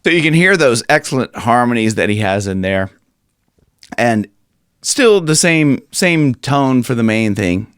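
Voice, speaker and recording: With a mid-range, fairly bright voice, this Ohio vocal coach in his forties speaks expressively at a measured pace while giving a chatty, loose singing lesson, occasionally singing lines that get raspy up high. The audio is dry and studio-quality. He sits at a stand-mounted studio microphone with headphones on, in a small room with a dark curtain behind him.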